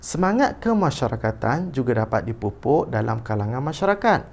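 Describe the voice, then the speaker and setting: Man reading caring father, Malaysian Malay accent, earnest, gravelly, textbook story. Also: medium pitch, sing-song, a little fast. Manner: earnest read-aloud. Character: caring middle-aged father explaining to family.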